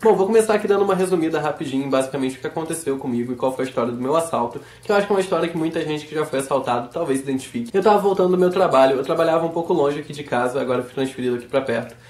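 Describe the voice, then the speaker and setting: Guy w rio accent vlogging super fast, bit hoarse, echoey room. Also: a little high. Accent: Rio de Janeiro Brazilian. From Brazil. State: hoarse from sore throat. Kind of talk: casual monologue to camera.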